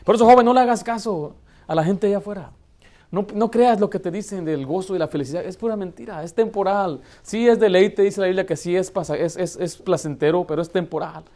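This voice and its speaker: Male pastor, church sermon, slightly high voice, emphatic and conversational. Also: fairly quick, a little mellow. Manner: emphatic, conversational preaching with rhetorical questions. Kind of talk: Baptist sermon.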